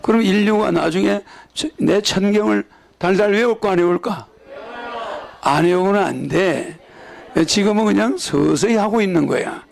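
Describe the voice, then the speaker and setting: An older man with a Gyeongsang accent delivers a rambling sermon. His voice sits high and carries a gravelly rasp. He keeps checking in with his listeners through quick rhetorical questions. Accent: Gyeongsang Korean. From Gyeongsang region, South Korea. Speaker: religious leader.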